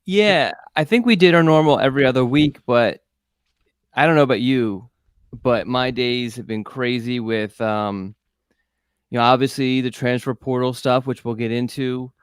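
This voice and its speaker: A man's voice: medium pitch, normal speed, clean tone, dry recording, clean studio sound. A middle-aged man co-hosting a casual sports chat, easygoing and a bit rambling. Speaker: recruiting reporter, co-host.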